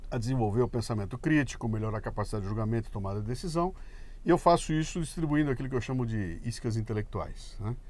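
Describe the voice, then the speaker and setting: A man at a medium pitch rushes along at a very fast pace, his intonation lively. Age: 60s. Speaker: podcaster and writer. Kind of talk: interview. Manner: animated.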